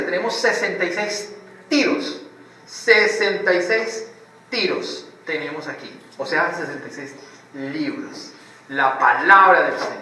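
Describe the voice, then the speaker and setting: A man preaching a sermon in an animated way, mocking the way other preachers act out their impressions. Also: sits high. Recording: echoey room heard from a distance, faint background noise.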